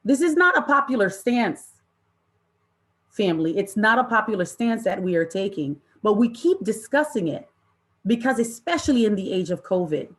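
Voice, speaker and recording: A woman presenting an interactive online training session in an impassioned, deliberate way, with emphatic repetition and rhetorical questions. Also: medium pitch, big pitch swings, a bit bright. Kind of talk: impassioned interactive workshop talk to an online audience.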